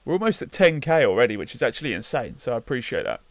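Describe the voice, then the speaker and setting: A man hosts a live trading stream in a relaxed, chatty way. He talks to viewers and hums and mutters to himself as he reads price charts. His voice sits at a middle pitch, recorded close and dry. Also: rapid-fire, dry recording. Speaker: livestream trading host. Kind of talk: casual live-stream chat.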